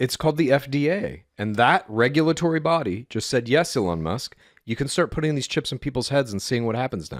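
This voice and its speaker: Using an unremarkable speaking voice at medium pitch, a man with an American accent talks at a fairly quick pace with lively intonation and hardly any pauses, in a very clean recording with a silent background. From Texas, Dallas suburbs. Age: 40s. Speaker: writer and podcast co-host. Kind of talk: casual chat.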